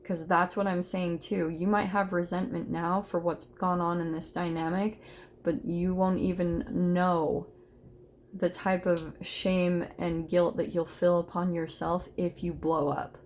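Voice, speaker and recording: A woman's voice: on the low side, flat delivery, measured pace, a little mellow, a little hiss or hum. A woman giving a casual, unscripted tarot reading, talking informally and directly to her viewers with emphatic, conversational phrasing. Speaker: tarot reader, host of an online reading.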